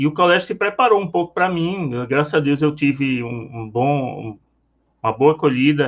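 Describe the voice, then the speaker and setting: A man with a Pernambuco accent and a fairly high pitch speaks at a moderate pace with lively intonation. The background is quiet. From Recife, Pernambuco, northeastern Brazil. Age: 50s. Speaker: tax auditor. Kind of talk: interview.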